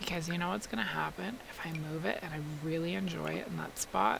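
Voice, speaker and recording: A woman speaks at a moderate pace in an animated tone over noticeable background noise. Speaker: game streamer. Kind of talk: casual live-stream commentary while gaming. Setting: live stream with headset. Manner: chatty, animated; loud.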